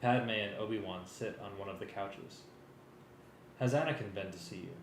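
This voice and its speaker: A man's voice: on the low side, moderate pace. A man talking casually and hesitantly, thinking aloud as he works and sometimes reading from a script. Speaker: music arranger preparing a live table read. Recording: echoey room with faint noise.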